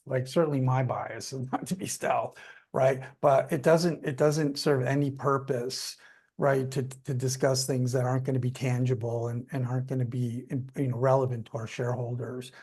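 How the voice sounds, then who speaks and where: A man's voice: mid-range voice, steady tone, moderate pace, husky. A man speaking as a company executive, answering questions off the cuff on an earnings call in an emphatic, repetitive way that keeps checking for agreement.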